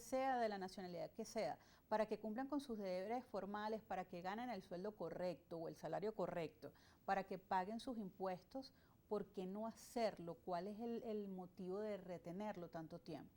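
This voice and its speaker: A mid-pitched woman from Venezuela speaks as an immigration lawyer in a studio interview. She explains in a measured way, often pausing on fillers while she thinks through each point. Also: darkish tone. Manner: measured, explanatory, with frequent hesitations. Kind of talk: interview answers.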